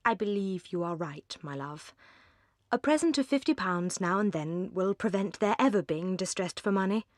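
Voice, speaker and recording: A woman doing a mild, easily swayed English gentleman. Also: mid-range voice, animated, moderate pace, no room sound, clean studio sound, close to an everyday voice. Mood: agreeable. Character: pliable, money-minded gentleman.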